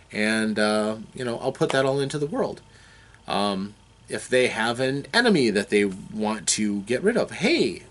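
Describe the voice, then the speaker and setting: Male game master, slightly low voice, explaining off the cuff, deliberate and halting. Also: a bit bright. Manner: halting, deliberate, thinking aloud. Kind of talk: unscripted explanatory talk.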